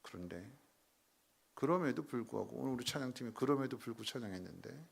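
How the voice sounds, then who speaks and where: A man preaching a sermon in a church, dramatic, with sudden loud emphatic peaks and rhetorical questions to the congregation. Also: medium pitch, animated, fast, creaky, breathy edge. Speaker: pastor. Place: church sanctuary.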